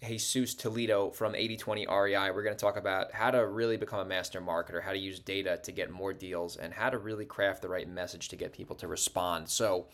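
A man's voice: low-pitched, steady tone, fast talker, hardly any pauses, fairly bright tone. A man hosting a podcast, chatting casually and upbeat with frequent fillers. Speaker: podcast host. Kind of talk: casual interview chat.

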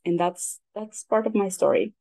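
A woman's voice: medium pitch, fairly even intonation, moderate pace, creaky, warm tone. A woman from Mexico, a native Spanish speaker with a Mexican accent, sharing a personal story as a panelist.

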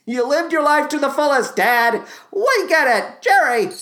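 A man's voice: extremely high pitch, expressive, unhurried, bright, forceful tone. A male podcast host ranting sarcastically and with exasperation in a comedic review monologue. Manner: sarcastic, exasperated rants with mock voices.

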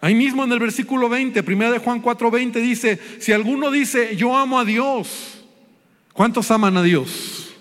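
A man's voice: very high voice, moderate pace, few pauses, in a large hall. A male pastor with a Mexican Spanish accent, preaching earnestly and repeating phrases for emphasis. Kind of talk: sermon. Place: church sanctuary.

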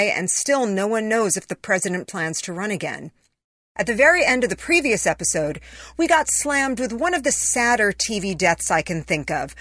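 A woman's voice: mid-range voice, a bit bright, dry recording, clean studio sound. A woman reading her own written essay in a conversational, personal storytelling manner. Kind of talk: scripted first-person essay narration.

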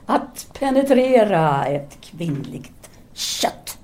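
An actress playing a cool, frank French intellectual woman in an audio drama, with measured, formal and composed delivery. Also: mid-range voice, very animated, a little mellow, close to an everyday voice.

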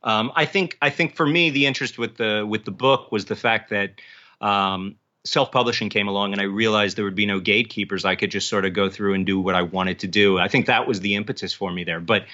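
A man speaking as an interview guest, an author talking casually in halting, self-correcting phrases. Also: fairly low pitch, pushed and bright. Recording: dull, band-limited audio.

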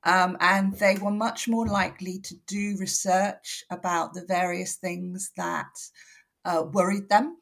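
A woman academic giving explanatory interview answers in a measured, analytical way, correcting herself as she goes. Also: lowish voice, steady tone, creaky, a bit bright. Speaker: academic researcher, interview guest.

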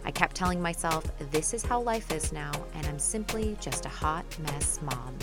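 A woman's voice: deep voice, lively intonation, normal speed, over loud music. Nasal, upbeat woman podcast host. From Florida. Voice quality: nasal from allergies. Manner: upbeat, chatty, encouraging. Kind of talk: casual solo podcast talk.

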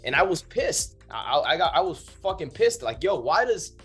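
A man's voice: sits high, sing-song, moderate pace, a bit bright, husky. A man from the Dominican Republic, raised partly in the United States, chatting emphatically as a guest, with swearing and frequent check-in questions. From Dominican Republic, moved to the United States at seven. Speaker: guest, men's movement leader. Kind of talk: casual motivational chat. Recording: music behind the voice. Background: music.

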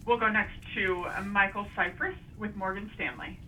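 A woman's voice: mid-range voice, fairly even intonation, moderate pace. A woman making scripted announcements as a conference call operator. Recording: noisy, distant phone-line sound.

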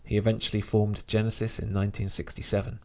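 A man in casual chat about music, talking in a relaxed, hesitant way and sometimes reading a short biography aloud. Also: fairly low pitch, fast talker.

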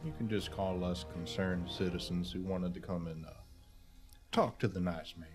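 A man's voice: low-pitched, moderate pace. A man chatting casually as a player in a tabletop role-playing game. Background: music.

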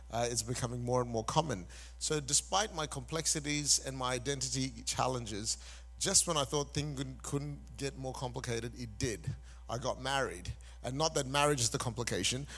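A man's voice: medium pitch, fairly bright tone. A middle-aged man from Malaysia preaching as a guest pastor, chatty and self-deprecating with frequent fillers. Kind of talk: sermon with personal story.

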